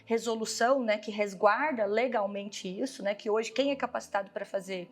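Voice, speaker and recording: A woman's voice: medium pitch, fairly quick. A woman with a Brazilian accent giving an explanatory interview answer, often checking in with short tag questions.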